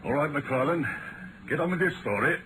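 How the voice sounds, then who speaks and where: Actor as Inspector Lestrade, stern higher-voiced policeman. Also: animated, normal speed, natural voice. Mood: stern, official. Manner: formal, authoritative. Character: officious, stern police inspector making an arrest. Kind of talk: 1940s-style radio acting. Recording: noisy vintage radio drama recording.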